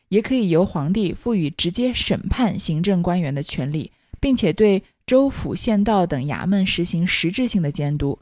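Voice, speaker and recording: A woman's voice: medium pitch, mellow, dry recording, studio quality. A woman storyteller retelling a classical tale, explaining things along the way in a chatty manner with fillers.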